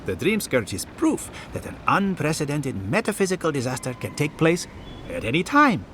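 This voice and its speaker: A fussy, condescending male scholar in a video game. He is pompous and sardonic, his intonation extremely animated, with faint noise behind him. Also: a little high, normal speed. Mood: lofty. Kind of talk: video game character dialogue.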